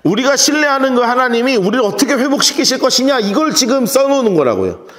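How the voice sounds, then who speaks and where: A man's voice: very high voice, sing-song, fast talker, a bit bright. A male pastor giving an emphatic Bible study sermon in a church, repeating phrases for effect. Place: church sanctuary. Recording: echoey hall reverb.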